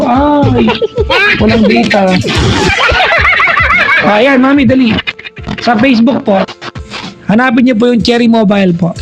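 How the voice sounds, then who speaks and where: A man hosting a comedic radio show, playful and teasing, joking at his own expense. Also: very high-pitched. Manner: playful and teasing, jokes at himself, laughs loudly and often. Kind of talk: comedic live radio banter with ad reads. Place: radio studio. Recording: radio broadcast with music underneath. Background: background music.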